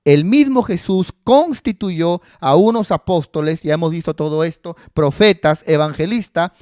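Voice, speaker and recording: A man preaching to his congregation in a high, bright voice, leaning on rhetorical questions and acted-out quotes. His voice is recorded close and dry, with little room sound around it. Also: animated, normal speed, dry recording. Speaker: pastor. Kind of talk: sermon.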